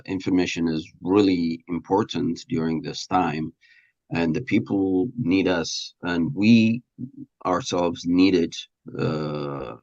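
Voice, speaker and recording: A man being interviewed as a radio presenter, explaining things haltingly as he searches for words, on a dull lo-fi recording. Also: low voice, darkish tone. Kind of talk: interview answers, explanatory talk.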